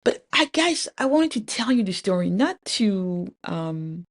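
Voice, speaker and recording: A woman's voice: mid-range voice, sing-song, a little slow. A woman from Cameroon telling a personal story in a candid, exasperated way, with frequent fillers and restarts. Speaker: podcast host. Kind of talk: storytime vlog.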